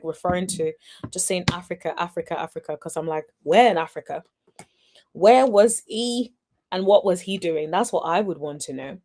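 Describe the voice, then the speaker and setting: A woman's voice: medium pitch, darkish tone. This is a woman hosting a casual celebrity-gossip recap. She talks in a chatty, opinionated way and keeps asking rhetorical questions. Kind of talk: casual commentary vlog.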